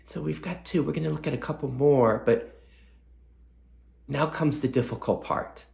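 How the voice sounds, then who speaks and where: A man leading a guided meditation, talking slowly and softly, pausing often and asking gentle questions. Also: fairly high pitch, gravelly, roomy sound. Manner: slow, soft and unhurried, full of pauses and gentle questions. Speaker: meditation teacher.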